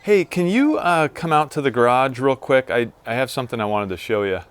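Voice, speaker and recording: A man's voice: medium pitch, lively intonation, fairly quick, clear, resonant tone. A man hosting a casual how-to vlog, talking in an informal, plain-spoken way. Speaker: video host installing car gear. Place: in and around a car in a garage.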